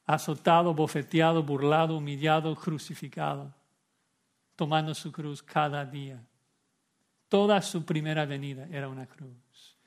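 A man's voice: fairly high pitch, fairly even intonation, a little slow. A male pastor preaching an expository sermon with emphasis, rhetorical questions and repeated phrases.

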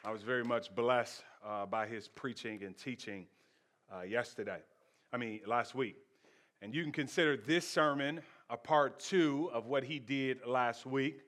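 A man preaching as a pastor, telling stories in deliberate short phrases with pauses for emphasis. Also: mid-range voice, fairly bright tone. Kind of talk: sermon with storytelling.

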